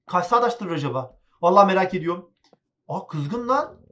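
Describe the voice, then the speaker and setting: Excitable gaming commentary, muffled audio. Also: male voice, sits high, normal speed. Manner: chatty, excitable, talks to viewers and game characters. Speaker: gaming channel host. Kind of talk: casual let's-play commentary.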